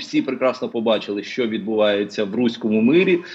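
A man talks with a Russian accent. His pitch varies in an ordinary way. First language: Russian (speaking Ukrainian). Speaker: film studio director; remote guest. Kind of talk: interview. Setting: Skype video call. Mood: calm, earnest. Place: home room. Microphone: video call.

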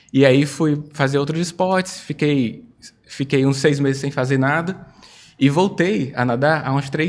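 At a fairly slow pace, a man talks in a fairly high voice with ordinary pitch variation. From Cariri, Ceará, Brazil; Ceará, Brazil. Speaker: physician and podcast host; podcast host. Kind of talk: interview. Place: studio. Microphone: studio mic.

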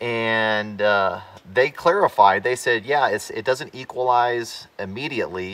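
The speaker is a man. His pace is fairly slow. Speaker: overlanding vlogger. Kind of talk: casual vlog explanation. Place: open country.

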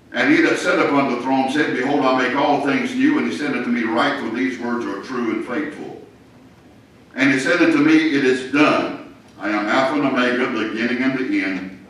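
Strong room echo surrounds a man speaking with ordinary pitch variation. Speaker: pastor. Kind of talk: sermon. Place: church.

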